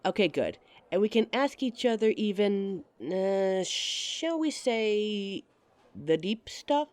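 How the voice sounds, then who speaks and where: A woman's voice: medium pitch, big pitch swings, takes it slowly, darkish tone, dry recording. A woman playing a giggly, teasing date. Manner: teasing and giggly, laughs often. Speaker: voice actress in an audio roleplay. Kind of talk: audio roleplay addressing the listener as a date.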